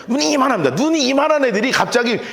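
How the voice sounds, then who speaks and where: A man with a very high voice preaches to his congregation in a lively, swooping delivery. He acts out scenes with voices and playful sound effects. The sound carries the echo of a church sanctuary. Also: rapid-fire, creaky, crowd noise. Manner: animated storytelling with acted voices and sound effects. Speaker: pastor. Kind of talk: sermon.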